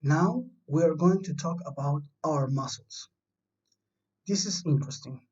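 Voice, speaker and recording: Slow, mellow teacher. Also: medium pitch. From Chile. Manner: patient, simple explaining tone, reassuring pupils. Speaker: primary school science teacher. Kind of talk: recorded remote lesson for young children. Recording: distant, dull lo-fi home recording.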